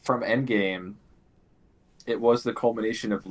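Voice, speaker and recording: A man's voice: medium pitch, steady tone, measured pace. A man co-hosting a casual discussion, thinking aloud and often rephrasing as he goes. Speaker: podcast co-host.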